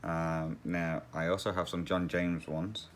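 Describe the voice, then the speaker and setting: A very deep-voiced man chats while he stitches, in a loose, rambling way. He laughs often and drifts off topic. A faint hiss of noise sits under his voice. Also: little pitch movement, unhurried. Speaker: cross-stitch channel host. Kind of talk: casual chat while stitching.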